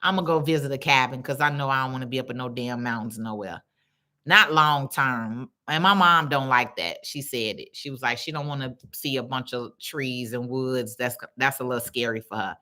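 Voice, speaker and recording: Chatting live on her phone, a woman from Chicago with the local accent responds to comments bluntly and animatedly, full of slang, addressing viewers as "baby." She has a bass voice and a moderate pace.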